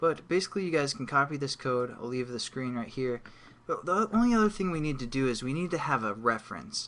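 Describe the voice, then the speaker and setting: With very wide pitch swings, a man rattles along at a very fast pace. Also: fairly high pitch for a man. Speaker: programming tutorial instructor. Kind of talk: screencast tutorial. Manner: casual.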